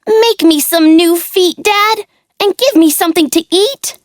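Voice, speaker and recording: A woman reading a storybook and voicing an eager young wooden puppet boy, high and pleading. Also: unhurried, no room sound, studio quality.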